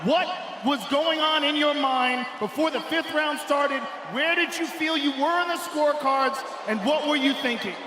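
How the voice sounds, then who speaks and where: A man with a very high voice shouts enthusiastic interview questions. The arena rings with echo around him. A cheering crowd and noise sit behind. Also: moderate pace. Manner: enthusiastic, emphatic. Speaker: octagon-side interviewer. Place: large indoor arena. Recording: echoey arena with loud crowd.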